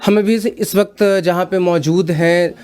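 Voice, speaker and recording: A male reporter introducing a field report and asking calm, probing questions. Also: sits high, a little slow.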